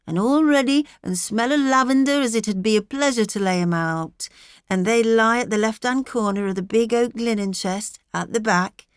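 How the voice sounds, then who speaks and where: A woman's voice: medium pitch, no room sound, clean studio sound, voice pushed up, close to an everyday voice. A woman voicing a fretful middle-aged country wife with a rural English accent, rambling on earnestly and plaintively in an audiobook. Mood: proud, fussy.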